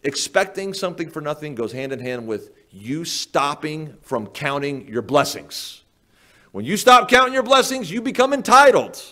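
A man preaching from the pulpit in a bright, slightly high voice that swings widely up and down. He talks straight to the congregation, folksy and emphatic, piling up rhetorical questions. His tone is that of a pastor pressing a point home. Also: sing-song, normal speed. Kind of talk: sermon. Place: church sanctuary.

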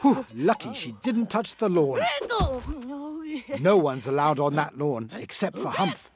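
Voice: mid-range voice, big pitch swings, unhurried, background noise. A narrator telling a children's cartoon story, expressively reacting aloud to the action with exclamations. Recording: music behind the narration. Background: music.

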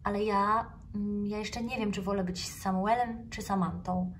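A woman voicing a timid little snail boy in a children's story, speaking quietly and hesitantly. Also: medium pitch, level tone, normal speed, recorded from a distance, a little hiss or hum, pitched above the performer's own voice, lightly acted. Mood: shy.

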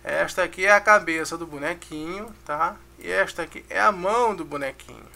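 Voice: mid-range voice, normal speed, creaky, bright, forceful tone. A music teacher with a Brazilian Portuguese accent, giving a casual online lesson, counting beats aloud and checking in with the class.

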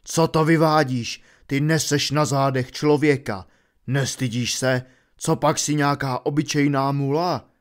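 A man voicing a proud, angry male centaur in an audiobook, booming and scolding. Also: fairly even intonation, lightly acted. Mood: furious. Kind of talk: audiobook character voice.

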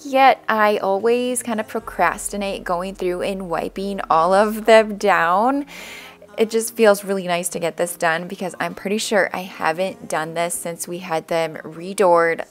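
A woman's voice: medium pitch, a bit bright. A woman in her thirties narrating a home vlog over her kitchen chores, chatty and upbeat with easy asides. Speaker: vlogger, stay-at-home mom.

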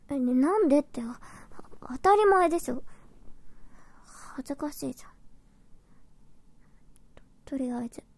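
A woman voicing a huffy tsundere girlfriend in a breathy ASMR role-play, stammering flustered denials while secretly soft. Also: sits high, no room sound, exaggerated voice. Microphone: close, dry binaural microphone.

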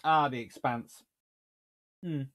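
This man speaks slowly at a medium pitch, his tone steady and fairly bright. He's casually answering viewer questions in a livestream Q&A from a small home study with bookshelves, chatty and wry with dry humour.

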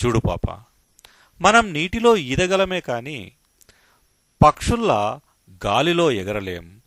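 A man voicing a gentle, patient and wise mother duck in a soft, raised, coaxing storyteller voice. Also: fairly high pitch, big pitch swings, slow, dry recording, pitched above the performer's own voice, full character voice.

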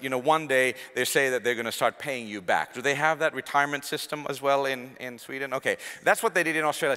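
A man in his thirties with a Finnish accent preaches to a congregation into a handheld mic. His voice is bright and forward, and he tells stories in an animated, chatty way. The long reverb of a large church hall rings behind him. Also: mid-range voice. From Finland. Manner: animated, conversational, gesturing, jokes with the congregation. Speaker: guest preacher. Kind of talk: sermon with storytelling. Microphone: handheld microphone.

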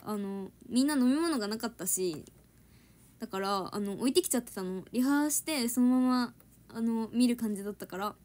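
A young woman chatting casually on a livestream, giggling and answering viewers' comments. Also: a little high. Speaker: idol trainee livestreaming to fans.

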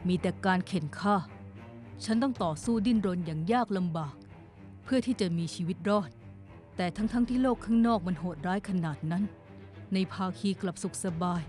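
A woman voicing a bitter, guarded young male outcast with a grave, deliberate delivery in a motion-comic drama. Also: medium pitch, a little mellow, soft background music, natural voice. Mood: distrustful.

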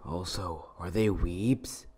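A man's voice: sits low, takes it slowly, mellow, husky, full character voice. A man reading out fan questions in a scripted comic dub.

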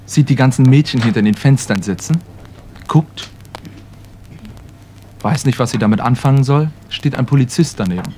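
A man telling jokes on a club stage, in brisk, clipped fragments. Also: mid-range voice, a little mellow, slight background noise. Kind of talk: live cabaret joke telling. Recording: live club recording with faint audience.

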